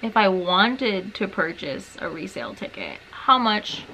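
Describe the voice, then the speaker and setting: A woman's voice: mid-range voice, lively intonation, measured pace, bright, forceful tone, slight background noise, low-quality recording. A young woman in her twenties chatting casually to camera in a small bedroom, with wry, self-mocking asides. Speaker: lifestyle vlogger. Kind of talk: casual vlog chat to camera.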